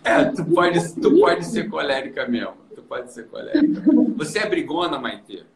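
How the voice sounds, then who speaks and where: A man hosting a casual chat, explaining personality temperaments to a young guest in an animated, teasing way. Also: a little high, normal speed. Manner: animated and teasing, often tags "entendeu?". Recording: roomy room with clear background noise.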